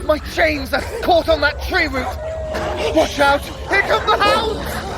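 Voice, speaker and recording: An actor playing a panicky, sharp-tongued trickster god in an audio drama, theatrical and exasperated. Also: high-pitched, expressive, takes it slowly, vocal fry, over music, a crowd in the background, full character voice. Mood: panicked. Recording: noisy chaotic chase ambience.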